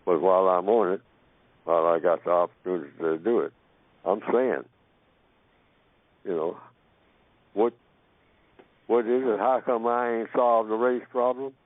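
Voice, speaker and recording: A man's voice: on the low side, no echo. A man giving emphatic talk radio commentary as a guest, repeating his points and asking rhetorical questions. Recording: dry phone-line audio.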